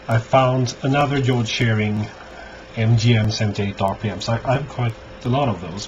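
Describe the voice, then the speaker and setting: A man giving a casual, unscripted show-and-tell as a collector, halting often and thinking aloud. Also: lowish voice. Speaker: record collector presenting finds. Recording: dull lo-fi audio, clear background noise.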